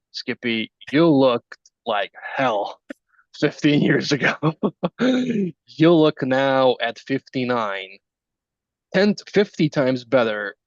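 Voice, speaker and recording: A man's voice: medium pitch, no room sound. A man in his early twenties chatting casually, teasing and laughing often. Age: 20s. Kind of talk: casual chat. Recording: dull, slightly lo-fi sound.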